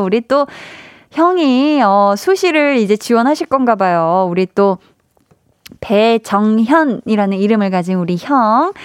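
Korean radio host woman, bright and dry. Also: a little high, clear, resonant tone, no echo. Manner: warm encouraging, cheers listeners on. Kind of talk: radio show chat reading listener messages. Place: radio studio. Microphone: studio microphone.

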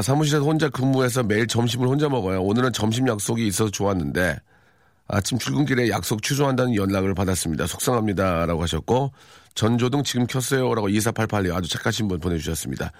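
A man in his forties hosting a live radio show, reading listener messages with dry, teasing deadpan humor. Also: fairly low pitch, dry recording. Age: 40s. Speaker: radio host. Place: radio studio. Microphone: studio microphone.

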